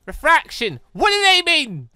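A British gamer giving excitable, rambling let's play commentary and often breaking off mid-thought. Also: high-pitched, a little slow, dry recording, studio quality. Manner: excitable, rambling, self-interrupting. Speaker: gaming video host. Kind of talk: let's play commentary, reading dialogue aloud. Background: game music.

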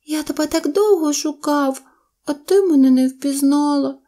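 A woman voicing a small lost baby mammoth in a storybook tale, speaking in a high, pleading childlike voice. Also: slow pace, mellow, exaggerated voice.

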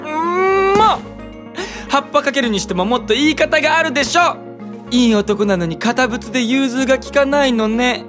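A man's voice: extremely high pitch, moderate pace, music in the background. A man playing a flamboyant, sassy young stage professional with camp, feminine phrasing in a voice drama. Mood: huffy, teasing. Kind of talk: anime-style voice drama acting.

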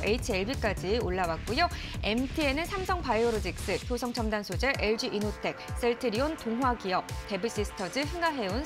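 A woman in her thirties presenting stock news as a program host, with a polished announcer delivery. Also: a little high. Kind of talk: news-style presenting and questioning. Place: TV studio. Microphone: lapel mic.

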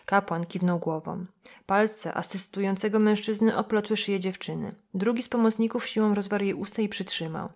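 Kobieta lektorka czytająca powieść kryminalną do audiobooka. Czyta spokojnie i równo, z wyraźną, wyważoną narracją. Głos o średniej wysokości. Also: female voice, medium pitch. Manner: measured, even reading. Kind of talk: scripted novel narration.

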